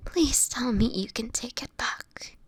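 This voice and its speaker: A woman playing a gentle, sickly, anguished vampire in a whispery audio roleplay, speaking hesitantly and tenderly to the listener. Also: a little high, a little slow, dry recording. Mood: frightened, pleading. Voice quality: breathy, often whispering.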